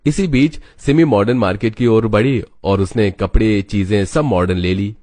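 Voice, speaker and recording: A man narrating an animated family story in a steady, storytelling manner. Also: lowish voice, normal speed.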